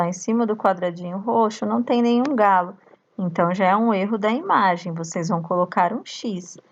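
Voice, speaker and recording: A woman teacher with a Brazilian accent, slowly reading a workbook lesson aloud to young children and chanting the syllables. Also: medium pitch, muffled recording. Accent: Brazilian Portuguese. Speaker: primary school teacher.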